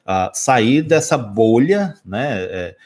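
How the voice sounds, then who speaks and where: Speaking in a mid-range voice with a Brazilian Portuguese accent, this Brazilian man teaches English in a relaxed spoken lesson. His manner is lively and jokey, full of quick asides and self-corrections.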